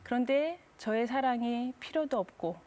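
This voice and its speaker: A middle-aged woman giving a soft, reflective faith testimony as a guest on a Christian talk show. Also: on the high side, normal speed. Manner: soft, reflective, frequent affirming "네".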